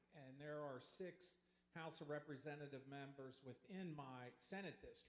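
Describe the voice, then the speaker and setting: Fairly high in pitch, a man speaks at a fairly slow pace with fairly even intonation amid audible room echo. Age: 60s. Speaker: state senator. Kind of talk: town hall panel remarks.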